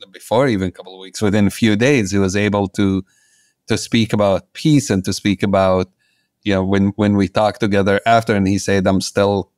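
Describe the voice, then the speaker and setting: Low, smooth-voiced man. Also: dry recording, studio quality. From Jerusalem. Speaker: interview guest, peace activist. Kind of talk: personal storytelling.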